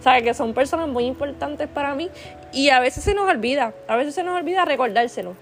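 Female podcast host, higher voice, affectionate and earnest devotional delivery, quiet music bed. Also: expressive, a little fast. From Puerto Rico. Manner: earnest and affectionate, with constant "¿verdad?" tags and restarts. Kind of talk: heartfelt devotional talk.

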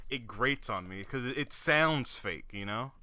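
A man's voice: mid-range voice, expressive, measured pace, sharp tone. A man co-hosting a podcast, chatting casually and rambling with lots of restarts and laughter. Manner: rambling, self-interrupting, laughing often. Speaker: podcast co-host. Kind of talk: casual chat.

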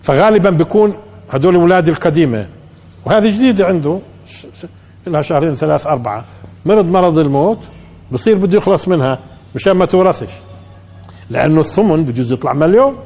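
A man's voice: on the high side, expressive, fast, long pauses, darkish tone. A man with a Palestinian accent, a sheikh giving a colloquial religious lesson, talking conversationally and answering his own rhetorical questions. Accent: Palestinian Arabic. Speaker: sheikh teaching Quran commentary.

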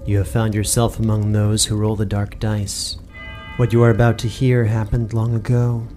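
A man's voice: fairly low pitch, monotone, moderate pace, warm tone. A man giving scripted, dramatic narration as a podcast host and game master. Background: music.

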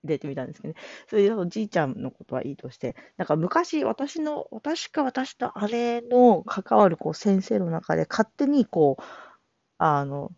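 A woman's voice: mid-range voice, sing-song, moderate pace, gravelly, mellow, no room sound. A woman hosting her own casual solo talk show, chatty and self-deprecating, laughing often as she rambles. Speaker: solo audio show host. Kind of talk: casual spoken monologue. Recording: dull lo-fi dry recording.

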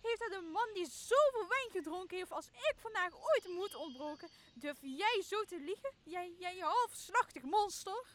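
A woman's voice: extremely high pitch, expressive, normal speed, hardly any pauses, fairly bright tone, a little hiss or hum. A young woman, a student actor in a radio play, playing a mocking, whiny, tipsy jester sidekick. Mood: mocking, outraged. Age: young adult. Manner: scornful, complaining, exclaiming. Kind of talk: amateur radio drama acting.

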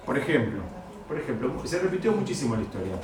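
A man teaching a Talmud story to students, animated and repeating key phrases. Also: medium pitch, fast, noisy background. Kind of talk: lecture to students. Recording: echoey room, mic far off.

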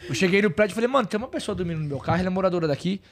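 Man, casual podcast chat, emphatic, rapid. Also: sits high, lively intonation, a little hiss or hum. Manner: quick, slangy, emphatic. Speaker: podcast co-host and app driver.

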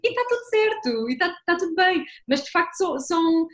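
A woman with a high voice and a European Portuguese accent discusses things conversationally. She speaks haltingly, repeating words as she feels her way toward the phrasing. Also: sing-song.

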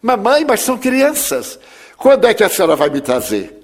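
This is a man putting on a small, tender-hearted rich boy. He pleads and questions eagerly, his voice pitched high and swinging widely. It is storytelling with acted voices. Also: huge pitch swings, normal speed, heavily acted. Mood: pleading.

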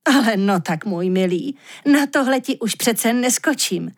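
A woman voicing a small, skeptical female arctic fox who teases in a wry, doubtful way, with a husky voice. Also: fairly high pitch, animated.

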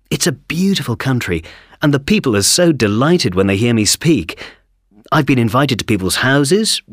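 A man's voice: medium pitch, dry recording, clean studio sound. A man speaking in a scripted monologue for a language course, enthusiastic and fluent. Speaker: speaker in a listening exercise.

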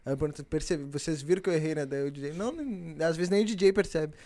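A man's voice: fairly high pitch, quick pace. Young gaúcho male guest, southern Brazilian accent, laid-back slangy chat. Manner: relaxed storytelling with slang. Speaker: funk MC guest. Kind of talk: casual chat.

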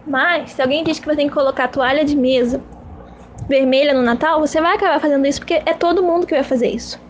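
A woman's voice: sits high, fast, lo-fi sound, a little hiss or hum. A young woman hosting her own podcast, musing and rambling in a self-mocking, repetitive way. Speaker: podcast host. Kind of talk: casual rambling monologue.

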